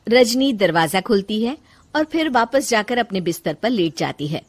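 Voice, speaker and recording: A woman's voice: medium pitch, lively intonation, moderate pace. A woman narrating a cartoon storybook in a plain storytelling manner.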